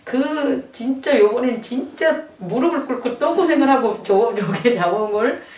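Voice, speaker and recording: A woman's voice: on the high side, animated, normal speed, a little mellow, reverberant, far from the mic. A woman pastor preaching a sermon in a conversational way, often asking the congregation questions. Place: church sanctuary.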